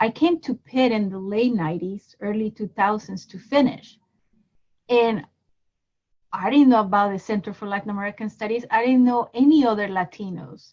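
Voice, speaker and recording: A woman speaks at a moderate pace with a fairly high, somewhat breathy voice. Her pitch varies in an ordinary way while her loudness swings widely. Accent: Spanish. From Colombia. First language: Spanish. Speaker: university staff member. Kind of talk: panel discussion.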